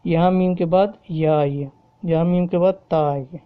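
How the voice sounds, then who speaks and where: A woman's voice: on the low side, steady tone, smooth, narrow, tinny audio. A woman teaching Quran recitation rules. She explains patiently, repeats each point, and asks "okay?" to check that her students follow. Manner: recites the Arabic examples slowly and drawn out. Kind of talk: explanatory tajweed lesson.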